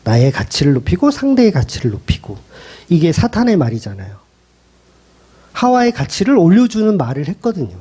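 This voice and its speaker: A man's voice: a little high, huge pitch swings, a little fast, mellow, husky. A male pastor preaching a sermon in a blunt, colloquial way, pressing the congregation with rhetorical questions.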